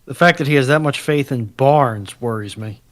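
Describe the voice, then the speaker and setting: Wry male co-host, medium pitch. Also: normal speed. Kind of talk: casual live chat banter.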